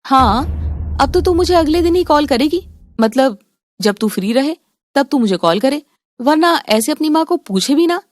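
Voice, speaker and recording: A woman's voice: high-pitched, animated, normal speed, no echo, clean studio sound, voice pushed up. A woman voicing a jealous middle-aged mother who taunts and reproaches her daughter. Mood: reproachful.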